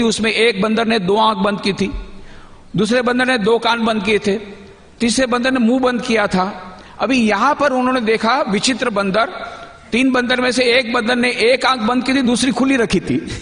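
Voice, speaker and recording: A man's voice: high-pitched, fairly bright tone. A man, a monk, giving a teacherly talk to a youth gathering, asking the audience questions and repeating key phrases. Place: large hall at a convention. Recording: echoey hall with long reverb.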